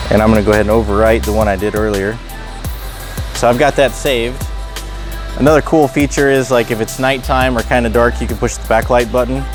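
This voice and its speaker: A man presenting a product tutorial in an informal, plain-spoken, unscripted way, as someone who works hands-on in a shop. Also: mid-range voice. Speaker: race car builder presenting a product tutorial. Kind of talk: casual hands-on product demonstration.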